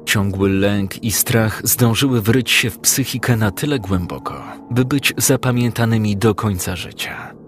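Low-voiced male audiobook narrator. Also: faint music behind. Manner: calm, measured, dramatic.

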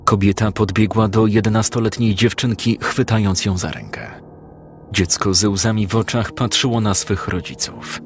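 A man narrating a dramatic story in a calm, measured audiobook reading. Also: on the low side, faint music behind.

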